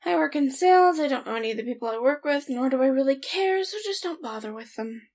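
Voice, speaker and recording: A woman's voice: high-pitched, lively intonation, fast talker, a little mellow. A woman playing a tired, flippant young reluctant hero in an audio drama, offhand and sarcastic. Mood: offhand, impatient.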